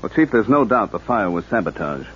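A man's voice: fairly low pitch, big pitch swings, fairly quick, fairly bright tone. An actor playing an eager, wry male government agent and assistant in a 1950s radio drama, matter-of-fact and deferential. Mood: earnest reporting. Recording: muffled, noisy 1950s radio recording.

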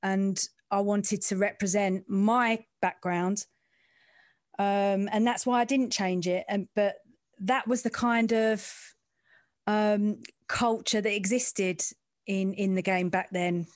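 A woman's voice: mid-range voice, fairly even intonation, slow pace, no room sound, studio quality. A woman from London's East End with an East London, Essex-like twang, talking frankly and informally in an interview as a sports reporter. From East End of London, England. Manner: informal, frank, working-class way of speaking. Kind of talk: candid conversational interview.

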